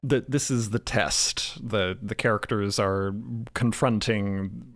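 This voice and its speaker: A man speaking reflectively and a bit haltingly as a podcast creator in a casual roundtable discussion. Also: on the low side, steady tone, fairly bright tone, no echo, clean studio sound.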